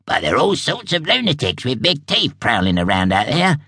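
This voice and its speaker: A man's voice: mid-range voice, huge pitch swings, brisk, gravelly, bright, forceful tone, breathy edge, dry recording, studio quality, exaggerated voice. A man voicing a small, fat, chatty male warthog who acts like a know-it-all. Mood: cautioning.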